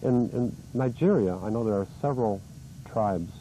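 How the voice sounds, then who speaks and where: A man hosting a local TV interview show, asking questions gently and affirming his guest often. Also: on the low side, normal speed, poor audio. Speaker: host. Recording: 1980s cable TV studio tape, faint noise.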